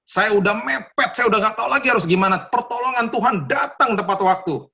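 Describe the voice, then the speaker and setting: A man, preaching a sermon as pastor in a lively, conversational way and acting out the people he quotes. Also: high voice, fast, creaky, lo-fi sound.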